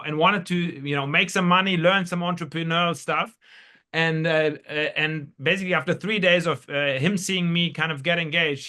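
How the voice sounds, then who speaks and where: Bright-voiced, higher-pitched man from Germany. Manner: halting, rambling, repeats words. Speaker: podcast guest, entrepreneur. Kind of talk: casual anecdotal interview storytelling.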